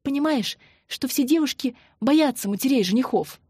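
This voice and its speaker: A woman's voice: high-pitched, expressive, moderate pace, darkish tone, breathy edge, dry recording, clean studio sound, pitched above the performer's own voice. A woman voicing a nervous young bride-to-be who talks anxiously and earnestly.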